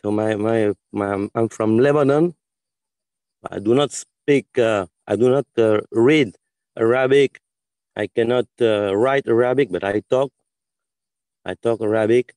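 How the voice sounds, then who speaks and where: A man in his forties from Senegal, whose first language is French, speaking as a panelist in an online call with many halting restarts. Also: on the low side, a little mellow, no room sound. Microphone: video call.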